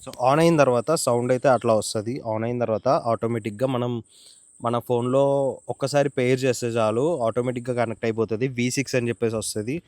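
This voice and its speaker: A man's voice: medium pitch, steady tone, quick pace, a little mellow. A man with a Telugu Indian accent giving a casual, explanatory product tutorial, mixing English words into his informal speech. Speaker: motovlogger reviewing and demonstrating gear.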